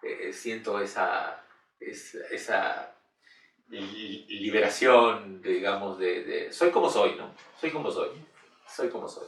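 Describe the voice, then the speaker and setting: A man speaks at a very slow pace with long, frequent pauses and big swings in loudness, with audible room echo. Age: 70s. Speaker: actor. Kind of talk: interview. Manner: halting, many fillers and repetitions.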